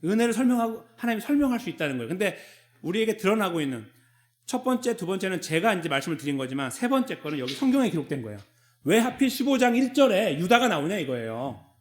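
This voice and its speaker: Male pastor, higher-pitched voice, conversational sermon delivery, acts out dialogues. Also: very animated, quick pace. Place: church sanctuary.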